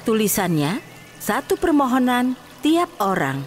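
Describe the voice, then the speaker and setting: A woman's voice: a little high, sing-song, measured pace, a little hiss or hum. A woman narrating a scripted children's fairy tale as the storyteller.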